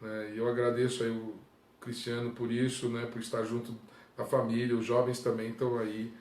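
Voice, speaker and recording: A Brazilian man, a pastor, talking casually on a livestream from home, with frequent tag questions and sudden jumps up in pitch for emphasis. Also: monotone, fairly quick, a little mellow, echoey room. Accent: Brazilian Portuguese. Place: room at home.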